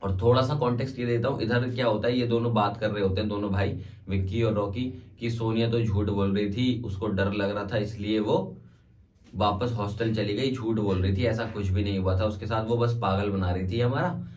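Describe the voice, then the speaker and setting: A man's voice: lowish voice, fairly even intonation, fairly quick, darkish tone, distant mic. Conversational male horror storyteller. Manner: conversational, repetitive fillers. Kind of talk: casual spoken horror storytelling.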